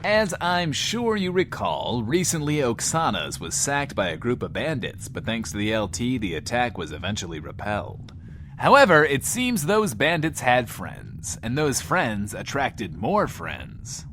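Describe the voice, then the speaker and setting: Manic bunker radio host, lonely, theatrical, rambling, highly animated pitch, middle register, comic audio drama. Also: male voice, a little slow, slight background noise. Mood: conspiratorial, hyped. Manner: theatrical, rambling, refers to himself in third person.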